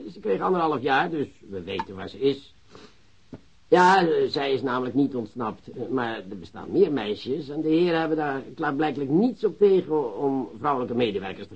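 A man's voice: medium pitch, slightly rough. A man acting a confident, insistent police detective in a Dutch radio drama, with a businesslike manner. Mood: polite but pressing. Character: brisk, confident male police detective questioning and plotting. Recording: dull, lo-fi radio drama recording.

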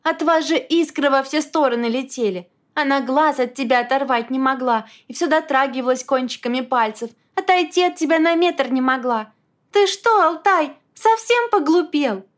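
A woman voicing an alarmed, fiercely loyal young female friend in an audiobook, in a shrill, excited, indignant manner. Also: a little slow, hardly any pauses. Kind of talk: audiobook character voice.

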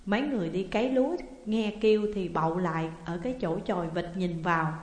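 A woman storyteller giving a steady, dramatic narration of a spooky tale, in a roomy recording with long reverb. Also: on the low side, fast.

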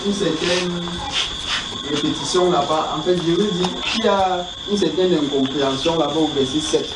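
A man asking questions about the Bible in a halting, roundabout way, repeating himself often. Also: on the high side. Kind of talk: informal spoken question. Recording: echoey, distant, noisy pickup.

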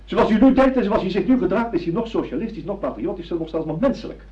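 An actor playing a self-assured, officious doctor who lectures theatrically in a radio drama. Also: male voice, sits high, expressive, fast, warm tone, slight background noise. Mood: insistent, declamatory. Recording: dull lo-fi radio drama recording.

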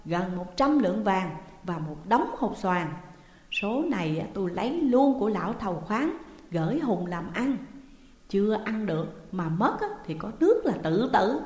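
A woman voicing a shrill, domineering middle-aged woman who screeches accusations, with a roomy echo and long reverb. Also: very animated, moderate pace, a little mellow, natural voice. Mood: lowered, anxious.

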